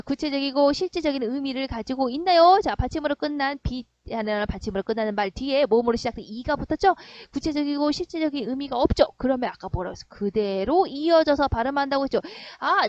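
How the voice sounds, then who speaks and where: A woman's voice: high-pitched, dry recording. A woman teacher giving an online grammar lesson, speaking animatedly and asking her students rhetorical questions. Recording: slightly dull, dry sound.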